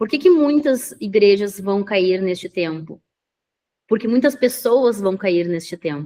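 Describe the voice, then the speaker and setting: This woman's medium-pitched voice has an animated tone and lively intonation at a moderate pace. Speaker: women's devotional leader. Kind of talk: live devotional teaching. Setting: live stream.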